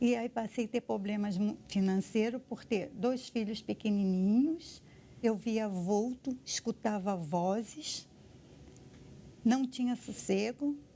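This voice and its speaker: A woman's somewhat breathy, dark, mellow voice, fairly high in pitch, with ordinary pitch variation at a very slow pace. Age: 70s. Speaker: church member. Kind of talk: testimony.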